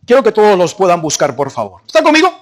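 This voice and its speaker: High-voiced man preaching to a congregation. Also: wildly swooping pitch, fast. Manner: prompts the congregation with repeated questions; emphatic, swings between raised and hushed delivery. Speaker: pastor. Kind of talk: sermon with scripture reading.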